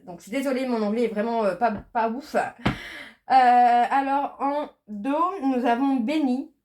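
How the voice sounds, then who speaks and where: A woman's voice: fairly high pitch, unhurried, darkish tone. Chatty French-speaking woman reading cards. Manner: chatty and hesitant, many fillers and restarts. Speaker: medium doing a tarot reading. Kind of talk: casual spoken card reading.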